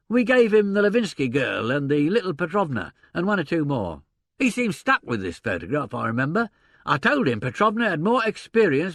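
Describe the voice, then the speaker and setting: Blunt, gabby older theatre agent, lively up-and-down delivery, pitched above the reader's own voice, colloquial and opinionated, as a man puts him on in an audiobook. Dry, close recording with no room sound. A male narrator voices him. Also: no echo, exaggerated voice. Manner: colloquial, drops grammar, chuckles, opinionated. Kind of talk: audiobook character reading.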